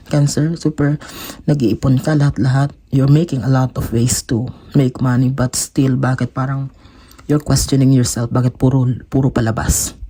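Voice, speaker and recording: A man's voice: mid-range voice, warm tone. A young man with a Filipino accent giving an emotional tarot reading, switching between Tagalog and English. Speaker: tarot reader.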